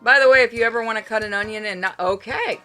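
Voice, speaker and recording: Female game streamer, bright forward voice, playful, informal delivery, music underneath. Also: a little high, fast. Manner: playful, informal, swears freely. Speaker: game streamer reading a visual novel aloud for chat. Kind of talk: casual livestream chat and read-aloud game narration.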